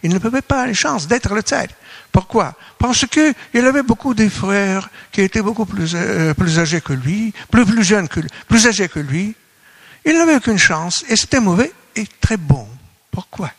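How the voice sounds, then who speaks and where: A man from Russia with a Russian accent gives a conference lecture in non-native French, halting as he searches for words. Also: sits high, expressive, fairly bright tone. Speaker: academic speaker at a colloquium.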